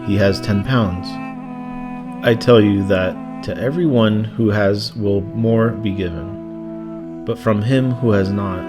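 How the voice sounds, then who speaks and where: A man, a deacon, reading scripture aloud in a solemn, measured and formal manner. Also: on the low side. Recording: music under the voice. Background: guitar music.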